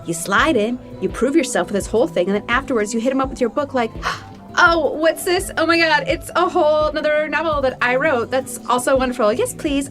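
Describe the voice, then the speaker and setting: A woman's voice: high voice, lightly acted. An actress playing an exuberant, pushy young woman, a playfully dramatic best friend in an audio drama, emphatic and teasing. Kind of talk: naturalistic audio drama acting.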